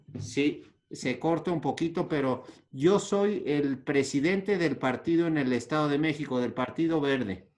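With music in the background, a man speaks fairly slowly at a fairly high pitch, with ordinary pitch variation. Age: 30s. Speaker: politician. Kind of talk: interview. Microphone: connection cutting out.

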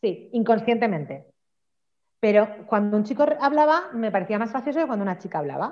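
This woman speaks at a fairly high pitch. Her pitch swings very widely. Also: fairly quick pace. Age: 30s. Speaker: communication trainer and entrepreneur. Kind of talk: interview conversation.

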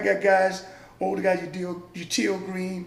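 With audible room echo, a man of high pitch speaks at a moderate pace. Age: 50s. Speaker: NFL wide receivers coach. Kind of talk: casual interview.

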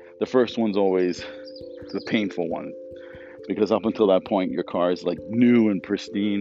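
A man's fairly low voice against noticeable background noise. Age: 40s. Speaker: podcast host, military veteran. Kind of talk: solo monologue. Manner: conversational, rambling with fillers.

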